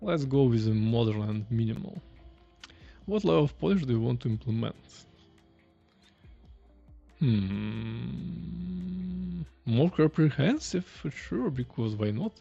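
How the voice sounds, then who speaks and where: A man's voice: mid-range voice, sing-song, measured pace, creaky, long pauses, dark tone, dull audio, faint music behind. A man, chatting casually while live-coding and thinking aloud on a stream from a small room. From Russia. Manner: thinking aloud, chatty, reading chat questions. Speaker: streamer, indie developer.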